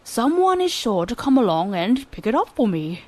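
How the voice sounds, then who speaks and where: A lazy, arrogant young man lounging in a shed talks in a loud, slow drawl. A woman reading a fairy tale puts him on. He sounds indifferent and haughty. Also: a little high, big pitch swings.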